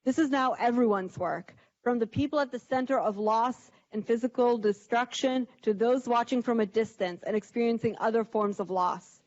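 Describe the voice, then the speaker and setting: Earnest, measured woman's voice. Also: fairly high pitch, a little mellow. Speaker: panel speaker. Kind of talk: prepared reflective remarks. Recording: dull lo-fi event recording.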